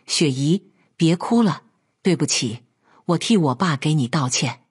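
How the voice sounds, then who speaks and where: A woman voicing a gentle, torn young husband caught between his wife and his parents in a read-aloud story. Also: deep voice, animated, measured pace, breathy edge, exaggerated voice. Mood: pleading. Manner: pleading, soft.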